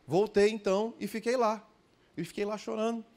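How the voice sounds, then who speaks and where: A man's voice: high-pitched, little pitch movement, moderate pace, darkish tone. A man preaching a sermon at a church conference, telling stories animatedly and calling out to the congregation with frequent tag questions. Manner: addresses the congregation directly.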